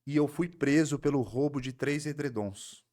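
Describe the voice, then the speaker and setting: Com voz masculina de altura média e tom um tanto escuro, o convidado, um psicanalista, compartilha num podcast seu percurso de recuperação. O relato é sério e reflexivo, marcado pelo sotaque do interior paulista e por pausas e recomeços constantes.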